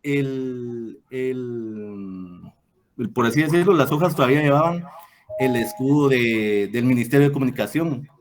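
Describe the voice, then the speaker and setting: A man's voice: medium pitch, a little slow. A man, a student answering in class, hesitating and repeating words.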